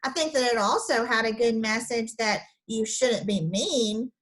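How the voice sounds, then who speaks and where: Young teacher lady reading a kids book out loud slow, high bright voice. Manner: slow, expressive storybook reading with lively pitch. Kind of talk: children's picture book read-aloud and lesson.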